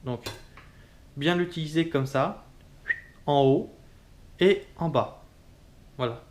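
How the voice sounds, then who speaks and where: A man casually demonstrating kitchen tools as a cooking instructor, chatty and informal, often pausing with fillers. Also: fairly high pitch, a little hiss or hum.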